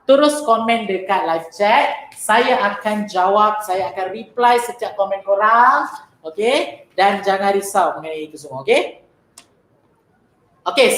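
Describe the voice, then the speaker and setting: A woman's voice: on the high side, echoey room. A woman with a Malaysian accent teaching a Malay grammar lesson online, acting out the example questions she asks and answers herself. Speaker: Malay language tutor.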